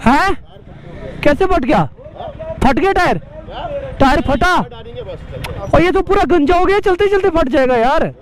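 A young man vlogging casually to viewers, first from a car and then riding a motorbike through city traffic, talking excitedly over the wind. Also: very high voice, a little slow, long pauses, crowd noise, rough recording. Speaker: motovlogger. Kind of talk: casual vlog talk to viewers.

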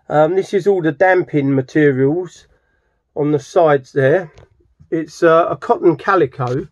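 A middle-aged British man talks casually through a restoration job in his workshop. His voice sits slightly high, and he rambles informally, rephrasing as he goes. The handheld recording sounds a bit dull and lo-fi. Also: a little mellow. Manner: informal, rambling, self-correcting. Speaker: furniture restorer presenting his project. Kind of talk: casual hands-on video walkthrough. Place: cluttered indoor wooden workshop. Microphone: handheld camera mic, speaker behind camera.

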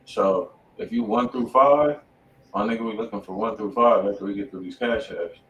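A man's voice: lowish voice, normal speed, a bit bright, dull audio, a little hiss or hum. A man hosting a live music-review stream from a home studio, laid-back and joking in heavy slang. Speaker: host. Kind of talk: casual live-stream chat. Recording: roomy, from far off the mic.

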